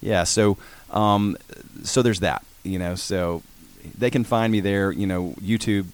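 Deep-voiced man, rambling. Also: steady tone, unhurried, clean tone. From Georgia, USA. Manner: rambling, self-correcting, folksy. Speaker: orthodontist guest. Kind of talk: casual radio interview. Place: radio studio. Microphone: studio mic with headphones.

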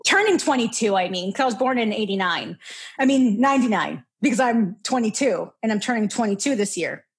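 A woman's voice: mid-range voice, lively intonation, brisk. A woman in her twenties, a podcast guest chatting casually, rambling and interrupting herself. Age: 20s. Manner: rambling, self-interrupting, laughing. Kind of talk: casual chat.

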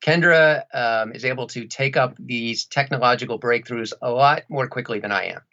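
A man's voice: mid-range voice, normal speed, pushed and bright, lo-fi sound. A man speaking as an interview guest, telling detailed, wry stories in a casual conversational way. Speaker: interview guest, audiobook narrator and radio play performer.

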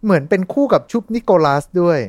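A man's voice: sits high, expressive, quick pace, darkish tone, no room sound, highs cut off. A man hosting a casual podcast, asking questions and teasing his co-host.

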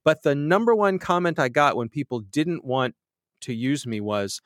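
A man hosting a podcast, chatting with self-deprecating humor and getting animated when he tells stories, with a slightly nasal voice. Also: mid-range voice, moderate pace, no room sound, clean studio sound. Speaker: podcast host. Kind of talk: conversational interview answers.

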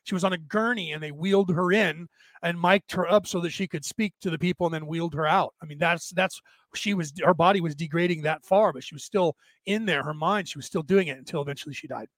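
A man with a raspy, tired, worn-out voice, talking casually and haltingly as he hosts a rambling livestream and answers listeners. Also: fairly high pitch, fairly bright tone, dry recording. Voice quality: raspy, damaged-sounding voice from long-standing vocal cord trouble. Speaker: host of a spiritual talk livestream.

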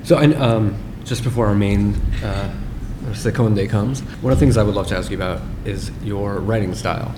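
A man's voice: lowish voice, normal speed, hardly any pauses. A man hosting a podcast interview. He asks questions in a friendly, admiring way with some hesitation. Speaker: podcast host. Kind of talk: casual interview. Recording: clear ambient background noise.

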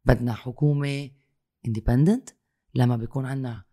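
A man's voice: medium pitch, fairly even intonation, normal speed, mellow. A man with a Lebanese Arabic accent in a conversational political discussion, speaking emphatically with repeated phrases, rhetorical questions and some French and English words mixed in.

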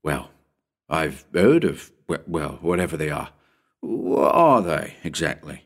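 A man's voice: extremely low pitch, very animated, unhurried, voice pushed down, full character voice. A man voicing a curious male visitor who mutters hesitantly.

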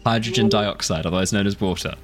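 A man's voice: on the low side, fairly even intonation, quick pace, soft background music. A man acting as game master, giving vivid descriptive narration mixed with casual chat.

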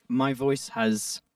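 A man's voice: mid-range voice, creaky, a bit bright, no room sound, clean studio sound, recorded from a distance. A man, a guest actor, chatting casually on a podcast, laughing often.

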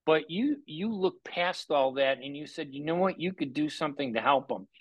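A man's voice: on the high side, lively intonation, moderate pace, dry recording. A man hosting a radio interview show, asking leading questions and setting the scene for his listeners. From USA.

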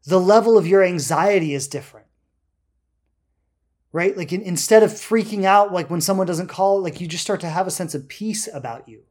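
Emphatic, deliberate spiritual self-help coach. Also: mid-range voice, darkish tone. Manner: emphatic, deliberate, with drawn-out words and rhetorical check-ins. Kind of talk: motivational spiritual talk, unscripted.

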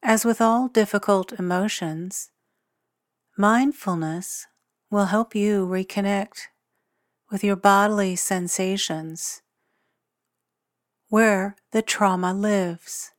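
A woman leads a guided meditation at a very slow pace. Her delivery is gentle and measured, with long pauses between short phrases. Her mid-pitched voice is recorded close and dry, with no room sound. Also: fairly even intonation, no echo. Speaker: meditation guide and podcast host.

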